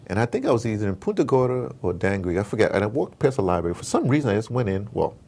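Very fast and very animated, this low, gravelly, slightly mellow male voice belongs to an American audio drama producer. In a casual interview he tells rambling, opinionated stories, frequently digressing and acting out dialogue.

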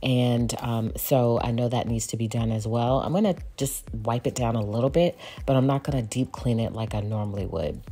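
A woman's voice: extremely low pitch, slightly rough. A woman in her forties, a lifestyle vlogger, talking casually and homily about cooking and cleaning at home. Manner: chatty, relaxed, homey. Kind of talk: casual cook and clean narration. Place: home kitchen. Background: soft background music.

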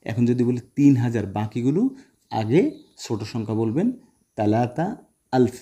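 A man from Bangladesh teaches a casual video lesson in a mellow, husky voice. He explains step by step, asking questions and answering them himself, and drops English phrases in between. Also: mid-range voice, expressive, measured pace. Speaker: Arabic language teacher.

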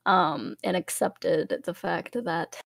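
Cute bubbly streamer lady, bit of vocal fry, rambly casual chat, close dry sound. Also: on the low side, fairly even intonation, slow pace, no echo. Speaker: VTuber and streamer guest.

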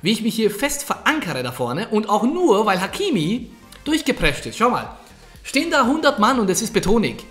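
A man giving energetic, colloquial coaching commentary over gameplay, talking straight to the viewer. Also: high-pitched, moderate pace. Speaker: gaming coach. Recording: echoey room. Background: faint background music.

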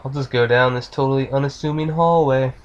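A man's voice: mid-range voice, steady tone, brisk, muffled recording. A man giving loose, joking let's play commentary while he plays, swearing freely. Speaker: gamer.

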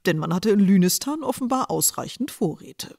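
A woman reading scripted storybook narration in a wry, expressive storytelling manner. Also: medium pitch, moderate pace, creaky.

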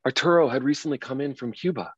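A man's voice: mid-range voice, fast talker, husky, natural voice. A man acting a grieving, well-to-do gay man in his late thirties at a table reading, speaking hesitantly and repeating words. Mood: realising, hurt. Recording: dull, roomy sound.

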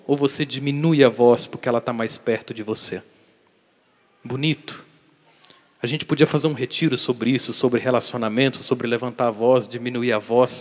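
A man preaching a daily catechesis sermon as a priest, emphatic and putting rhetorical questions to his listeners, his voice swinging between loud and soft for emphasis. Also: medium pitch. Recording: long reverb of a large hall.

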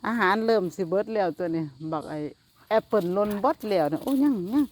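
A woman's voice: medium pitch, expressive, fast talker, a little mellow. A woman with an Isan accent, chatting casually to viewers while she gardens in her backyard and talks to her dogs. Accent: Isan (Northeastern Thai). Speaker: vlogger.

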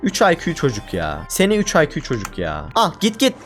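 Man, casual gameplay commentary, exasperated rants at teammates, very animated voice, faint music behind. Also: a little high, a little fast. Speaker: gaming YouTuber.

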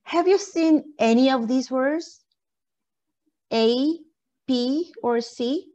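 A woman's voice: high voice, takes it slowly, mellow, highs cut off. A woman lecturer giving an interactive online lesson in an encouraging way, checking understanding with questions. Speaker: university lecturer. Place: indoor video call.

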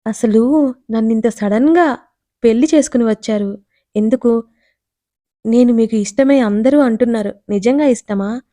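A woman reading the lines of a timid young bride who speaks softly and hesitantly. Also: fairly high pitch, normal speed, long pauses, no echo, lightly acted. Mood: shy, soft. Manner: soft, hesitant. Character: shy young bride, timid, soft-spoken.

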